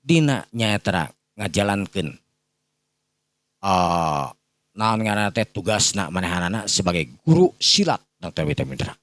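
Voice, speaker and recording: A man's voice: low voice, sing-song, moderate pace, fairly bright tone, no room sound. A man with a Sundanese accent tells a folk tale in a rambling, improvised way, padding it with repeated filler phrases as he addresses his listeners. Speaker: storyteller.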